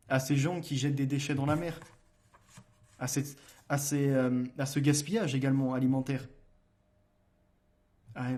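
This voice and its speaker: Argumentative man with a mellow voice. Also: medium pitch. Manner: argumentative, addresses listeners directly with rhetorical questions; frequent hesitations and restarts. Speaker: host of a commentary show. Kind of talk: solo political commentary, reading book passages aloud.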